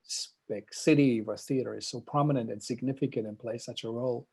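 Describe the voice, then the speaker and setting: A man with a gravelly, husky voice hosts an interview. His tone is mellow and dark. He speaks hesitantly and searches for his words as he asks questions. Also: medium pitch, steady tone, fairly quick. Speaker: host.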